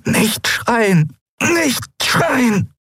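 A man's voice: on the high side, slow pace, fairly bright tone, breathy edge, no room sound, clean studio sound, voice pushed up, full character voice. A man voicing a defiant captain woman, Endriel. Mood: desperate. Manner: strained, defiant, edging into hysteria. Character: defiant young woman starship captain under torture. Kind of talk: audiobook character voice.

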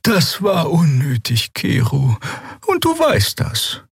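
A man's voice: a little high, huge pitch swings, slow pace, vocal fry, husky, no echo, clean studio sound, pitched above the performer's own voice, exaggerated voice. Man doing a reproachful young woman.

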